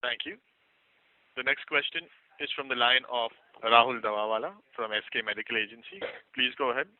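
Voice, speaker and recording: A man's voice: medium pitch, steady tone, brisk, dry recording. A man moderating a conference call in formal, scripted phrases. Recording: tinny narrowband phone line.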